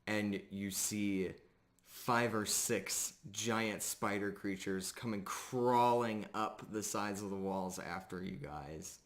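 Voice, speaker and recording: A man narrating a live tabletop game as game master, casual and pausing often as he goes. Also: on the low side.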